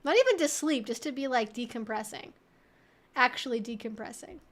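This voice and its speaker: A woman with a high voice talks as the host of a casual livestream Q&A. She explains things candidly and conversationally, wandering into asides as she goes. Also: expressive, moderate pace.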